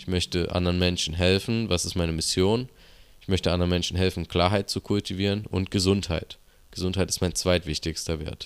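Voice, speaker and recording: On a very clean recording with a silent background, a man speaks in a very deep, low voice with monotone, flat intonation. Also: fairly quick pace. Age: 20s. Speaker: wellness podcast host, yoga teacher. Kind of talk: casual monologue. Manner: casual, filler-heavy speech.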